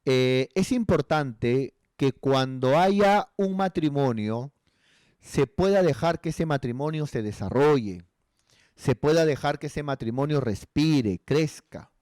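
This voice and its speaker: A man's voice: mid-range voice, expressive, slow, a little mellow, dry recording, studio quality. A male pastor giving pastoral counsel in a conversational sermon, earnestly asking rhetorical tag questions.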